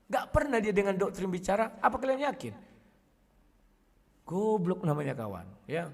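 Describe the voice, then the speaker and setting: A man speaking casually to his viewers in a combative way, often clearing his throat. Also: sits high, sing-song, moderate pace, in a large hall. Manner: combative, addresses listeners as "kawan", frequent throat clearing. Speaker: online video host.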